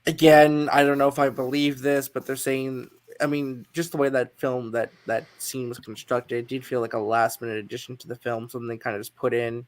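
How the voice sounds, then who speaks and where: A man's voice: medium pitch, little pitch movement, fairly quick, few pauses, no echo. Man, live stream host, chatty, speculative, dry close sound. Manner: speculative, chatty, self-mocking.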